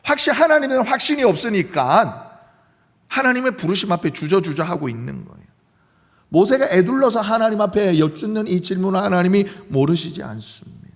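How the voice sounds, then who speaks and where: A male pastor preaching a sermon in church, animated and often putting questions to the congregation. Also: sits high, fairly quick. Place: church sanctuary. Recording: long reverb of a church sanctuary.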